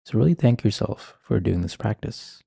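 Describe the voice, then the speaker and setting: A man leading a guided meditation in a calm, gentle, measured manner. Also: fairly low pitch, creaky, slightly rough, no room sound, clean studio sound. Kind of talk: guided meditation, ASMR-like instruction.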